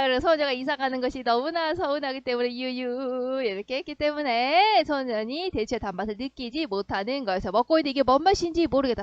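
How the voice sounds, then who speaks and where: A woman's voice: high-pitched, no room sound, highs cut off. A woman teaching a middle school Korean literature lesson online. She asks her students questions, answers them herself, and acts out the quoted lines. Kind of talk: online lesson explaining a story.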